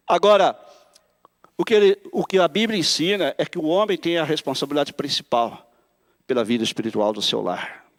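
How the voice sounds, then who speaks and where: A man preaching a humorous sermon in a church, acting out quotes in shifting voices. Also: sits high. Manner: animated, jokes and acts out quotes in shifting voices. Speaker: pastor.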